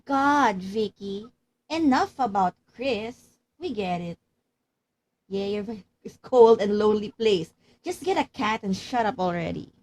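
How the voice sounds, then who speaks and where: A woman's voice: medium pitch, expressive, unhurried, a little mellow. A woman playing a blunt, wry teenage girl in a table read of a film script. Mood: exasperated.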